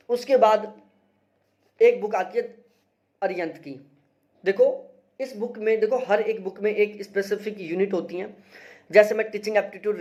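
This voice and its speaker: A man's voice: high-pitched, a little mellow. A young man, an exam-prep teacher, talking through study books in a casual, emphatic way and often checking in with his listeners. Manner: emphatic, repeats advice, frequent "theek hai" check-ins. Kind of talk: casual explanatory review.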